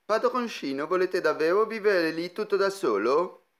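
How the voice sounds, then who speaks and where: Theatrical, swooping monster servant. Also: male voice, high-pitched, animated, normal speed, a bit bright. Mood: deferential. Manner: theatrical, peppered with foreign words. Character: theatrical monster servant, menacing yet obedient to young master. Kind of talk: cartoon fandub acting.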